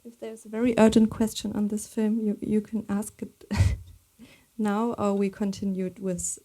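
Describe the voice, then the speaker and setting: A woman moderating a live panel conversation, phrasing her questions in a halting, hesitant way. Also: mid-range voice, flat delivery, warm tone.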